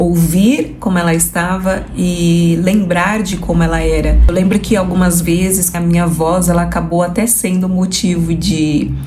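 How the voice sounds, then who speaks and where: Music plays in the background and room echo is audible. The speaker talks at a fairly slow pace in monotone, flat intonation with hardly any pauses. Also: woman, fairly low pitch for a woman. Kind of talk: testimony.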